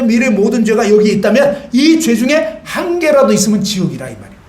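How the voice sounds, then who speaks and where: Man preaching in a roomy church. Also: very high-pitched. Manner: questions the congregation and asks for answers; conversational and playful, acts out little scenes. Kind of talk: sermon.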